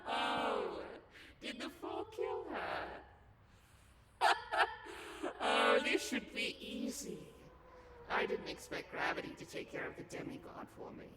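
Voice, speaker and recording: Under very loud noise, a slow, breathy villainess drips arrogance and menace. The high voice swoops wildly, in audio drama style. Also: male voice, huge pitch swings, full character voice. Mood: mocking. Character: Judith, arrogant, menacing supernaturally strong villainess.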